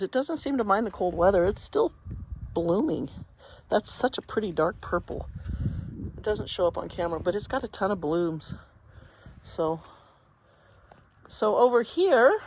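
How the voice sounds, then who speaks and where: Female gardening vlogger, congested and chatty, mid pitch, faint outdoor noise behind her. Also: poor audio. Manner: chatty, rambling, talks to camera. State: congested, sniffling. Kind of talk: casual garden walkthrough.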